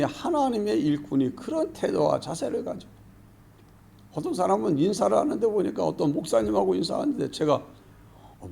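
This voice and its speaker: A man's voice: high voice, gravelly, darkish tone. A male pastor preaching a sermon, emphatic and repeating key phrases, often acting out quoted dialogue.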